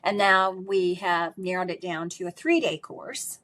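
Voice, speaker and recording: A woman's voice: on the low side, measured pace, a bit bright. A middle-aged woman speech pathologist with a strong voice. She answers interview questions in an emphatic, conversational way and often ends her points with "right?". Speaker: speech pathologist and course instructor.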